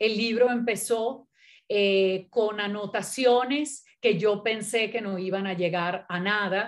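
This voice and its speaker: Over a quiet background, a woman speaks at a very slow pace with a medium pitch and fairly even intonation. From Venezuela, Italian immigrant family. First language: Italian (speaking Spanish). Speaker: poet. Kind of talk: literary panel talk. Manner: halting, many fillers.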